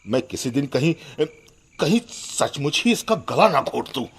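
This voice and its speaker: A man's voice: medium pitch, sing-song, measured pace, creaky, slightly rough, exaggerated voice. An actor playing an irritable, harsh husband and father in a radio drama, scolding and complaining. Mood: bitter complaining. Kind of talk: Hindi radio drama acting.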